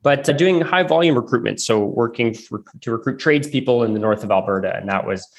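A man's voice: mid-range voice, fast. A man from Calgary, Canada, a guest on a podcast, answering in a friendly way with hesitant restarts. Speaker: guest, operations executive. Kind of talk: casual interview answers.

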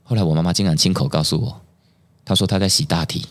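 Low-voiced and quick, this middle-aged podcast guest speaks with a Taiwanese Mandarin accent. He shares personal stories conversationally and brings them to life by performing the quoted lines.

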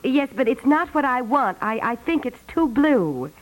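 High-pitched fussy housewife. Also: female voice, big pitch swings, a little slow, phone-quality sound. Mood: politely insistent. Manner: dithering, particular, over-explaining. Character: fussy, insistent housewife choosing paint colors. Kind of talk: 1950s radio comedy acting. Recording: vintage 1950s radio recording.

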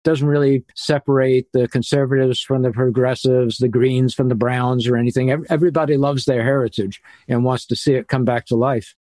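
A man's voice: mid-range voice, steady tone, brisk, few pauses, darkish tone, no echo. A middle-aged man as an interview guest, explaining earnestly with occasional fillers. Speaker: interview guest, urban planning author. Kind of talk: conversational interview.

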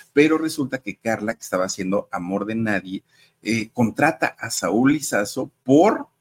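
A man's voice: medium pitch, husky. A man with a Mexican accent who hosts a show and tells celebrity stories in a chatty way, addressing viewers directly. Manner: conversational, addresses viewers directly, uses fillers. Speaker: entertainment gossip host.

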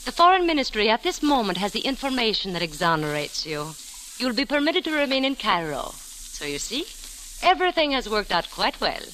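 An actress playing a scheming female spy with a smooth, condescending manner, in a 1940s radio drama. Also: on the high side, very animated, brisk, a bit bright, slight background noise, rough recording. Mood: mocking.

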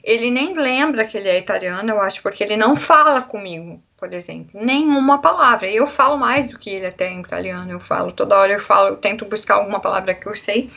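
A woman's voice: mid-range voice, quick pace, creaky, few pauses, sharp tone, lo-fi sound. A young adult woman from Brazil with a Brazilian Portuguese accent, chatting animatedly in an interview and acting out little quotes as she talks. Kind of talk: casual conversational interview.

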